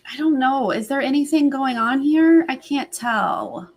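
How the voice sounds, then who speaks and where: A woman's voice: high-pitched, unhurried. Lady host reacting to reality tv stuff, casual, teasing, lots of opinions. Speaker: host of a reality TV fan show.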